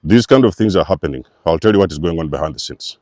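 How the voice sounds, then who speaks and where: A man's voice: low-pitched, lively intonation, fast talker, a little mellow, no echo, studio quality. A man hosting a spiritual channel, giving an emphatic, repetitive preacher-like talk to his viewers. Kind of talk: spiritual teaching monologue.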